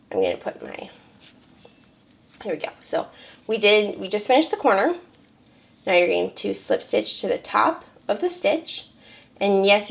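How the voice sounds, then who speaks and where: A young woman with a hoarse, raspy voice, talking through a crochet pattern step by step, counting stitches aloud and correcting herself as she goes. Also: medium pitch. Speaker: crochet pattern designer teaching a tutorial. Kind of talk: step-by-step crafting tutorial.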